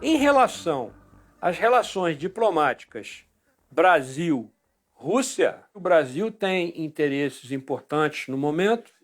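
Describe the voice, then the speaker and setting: A man, an espionage analyst commenting in an interview, slow and emphatic. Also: on the high side, sing-song.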